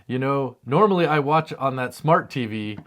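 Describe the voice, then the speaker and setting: A man's voice: mid-range voice, lively intonation, normal speed. A man with an American accent in casual, jokey conversation as a co-host reading out viewer questions. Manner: self-deprecating, jokey. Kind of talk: casual chat.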